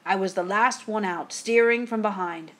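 A woman's voice: mid-range voice, moderate pace, close to an everyday voice. Lady reading as a sly teasing dad telling a spooky tale, very suspenseful. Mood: hushed suspense. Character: dramatic father storyteller, quick-witted, teasing, spinning ghost tales.

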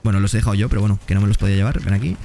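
A man giving excitable, slangy commentary while playing a game. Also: lowish voice, gravelly. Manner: excitable, slangy, quick exclamations to opponents. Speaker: gaming streamer. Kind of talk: gameplay commentary. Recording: gameplay noise and gunfire behind.

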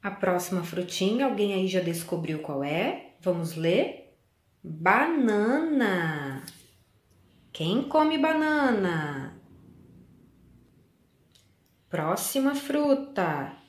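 A Brazilian woman teaching a preschool class, speaking gently and singing children's songs in a drawn-out, sing-song way. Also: medium pitch, very animated. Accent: Brazilian Portuguese. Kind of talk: slow, sing-song lesson for small children. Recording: echoey room.

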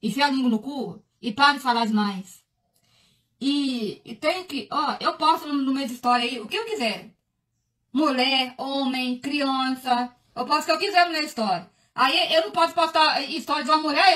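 A woman on a phone livestream, ranting at commenters in a blunt, crude way that flares into shouting. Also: sits high, normal speed. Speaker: social media personality.

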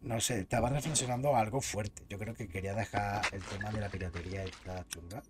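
A Spanish man with a Spanish accent chats casually through a let's-play, commenting on his gameplay, swearing freely and bursting out loudly when surprised. His voice is on the low side, a little fast, with fairly even intonation.

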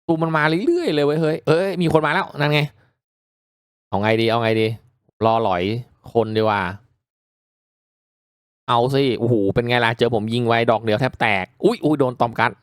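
A man giving casual, reactive commentary as he hosts a mobile game playthrough, chatting politely to viewers with excitable exclamations. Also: medium pitch, moderate pace, pauses often, no room sound, clean studio sound. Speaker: gaming video host.

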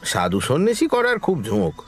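An actor playing a friendly village man in an audio horror story, talking in a lively, familiar way. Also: medium pitch, moderate pace. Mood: confiding.

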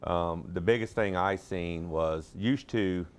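A middle-aged man with a deep, low voice speaks as a pastor in a studio interview. His talk is plain-spoken and rambling, with a folksy ease, picked up cleanly on a lapel mic. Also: slow, smooth. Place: TV studio set.

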